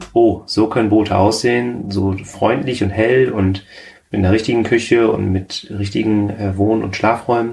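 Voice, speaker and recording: Monotone and flat in intonation, a man with a fairly low pitch speaks at a moderate pace. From East Frisia, northern Germany. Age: 30s. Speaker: engineer and sailor. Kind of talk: casual interview.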